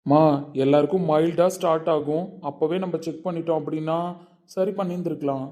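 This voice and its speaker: A man playing a doctor who hesitantly delivers bad news in a measured way. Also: fairly high pitch, steady tone, warm tone, close to an everyday voice.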